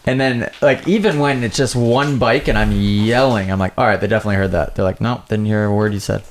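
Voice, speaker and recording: A man in casual podcast conversation, telling stories in an animated way and often saying "like". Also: fairly low pitch, a little fast, a little hiss or hum. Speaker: motocross rider and coach, podcast guest. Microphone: podcast microphone.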